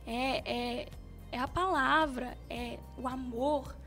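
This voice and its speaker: A young woman from Minas Gerais with a Mineiro accent, a guest singer telling her story with animated, laughing self-quotes. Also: high-pitched, takes it slowly, soft background music. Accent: Mineiro Brazilian Portuguese. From Minas Gerais, Brazil. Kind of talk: casual interview chat.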